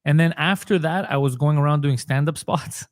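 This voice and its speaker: A man's voice: on the high side, moderate pace, no room sound, studio quality. A comedian and podcaster from Montreal, a man, telling his story in a casual interview and acting out the dialogue he quotes. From Montreal, Canada.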